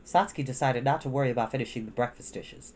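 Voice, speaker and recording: An expressive, informal storyteller reading a children's book aloud, with casual asides. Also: medium pitch, quick pace. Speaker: storyteller and host.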